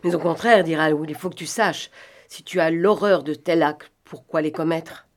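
An insistent young gentleman pressing hard questions, as a woman reading the novel gives him voice. Her very low voice stays firm and questioning. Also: normal speed, natural voice. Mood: probing. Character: probing stern young gentleman. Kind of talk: audiobook reading.

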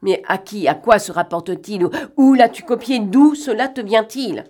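A woman reading aloud and voicing a cunning male gentleman thief who talks in a mocking, bantering way and snaps out brisk orders. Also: mid-range voice, animated, pitched above the performer's own voice, close to an everyday voice. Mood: commanding. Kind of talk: audiobook reading.

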